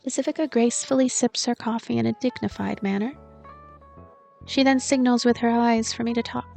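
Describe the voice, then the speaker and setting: High-voiced woman narrating a game playthrough. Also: fairly even intonation, a little fast, gravelly, a little mellow, soft background music. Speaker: let's play commentator and narrator. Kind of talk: voiced gameplay narration and commentary.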